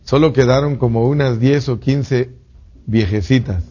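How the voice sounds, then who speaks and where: A man's voice: medium pitch, measured pace, mellow, breathy edge, highs cut off. A man preaching and teaching a Bible study, who tells stories with sound effects and repeats words for emphasis. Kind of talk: sermon with storytelling.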